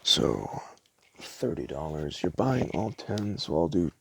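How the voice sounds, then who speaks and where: A man doing a soft-spoken ASMR roleplay as a store clerk, talking in a casual, hesitant, rambling way. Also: low-pitched, big pitch swings, slow, vocal fry, a little hiss or hum. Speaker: ASMR creator playing a DVD store clerk.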